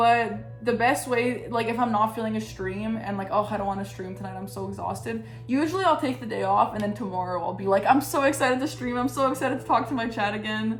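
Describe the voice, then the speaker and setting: The speaker talks at a very fast pace with hardly any pauses, over noticeable background noise. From Canada. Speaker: streamer. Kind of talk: casual chat.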